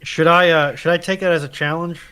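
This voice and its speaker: A man chats casually as a member of a panel. His voice sits somewhat higher than average for a man, and the talk is unscripted. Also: fairly even intonation, brisk, sharp tone, clean tone. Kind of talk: casual chat.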